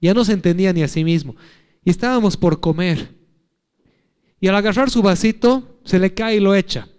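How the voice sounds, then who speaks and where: A man in his thirties, a pastor, preaching an earnest sermon. He moves between emphatic, raised lines and soft, hushed ones, tells stories conversationally and puts direct questions to his listeners. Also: high voice, normal speed, clear, resonant tone.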